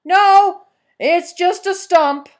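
A woman voicing a frightened male peasant farmer who pleads in a high, panicky voice. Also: very slow, exaggerated voice.

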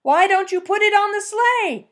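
A woman doing a high shouting hunter. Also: animated, moderate pace. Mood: calling out. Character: hunter calling out from the forest.

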